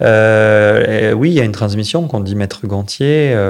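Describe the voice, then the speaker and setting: Speaking with a southern French accent, a man has a fairly low-pitched voice. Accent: southern French, noticeable. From Millau, Aveyron, southern France. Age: 40s. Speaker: glove-making business owner. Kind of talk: interview. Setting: in his office. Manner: hesitant, many fillers.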